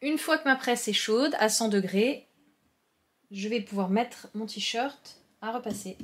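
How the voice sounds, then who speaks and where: A woman hosting a step-by-step crafting tutorial, explaining each stage clearly in a friendly, instructive way. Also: on the high side, a little slow.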